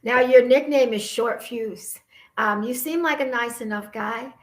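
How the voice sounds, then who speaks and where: Friendly female interviewer, higher voice. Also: a little slow. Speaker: interviewer, co-host. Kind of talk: casual interview chat.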